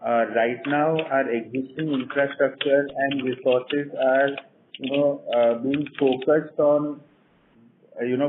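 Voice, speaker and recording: A man with an Indian accent, a company executive answering questions on an earnings call in a measured, explanatory way peppered with "you know". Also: mid-range voice, noisy background. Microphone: phone conference call. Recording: tinny, narrow-band conference phone line.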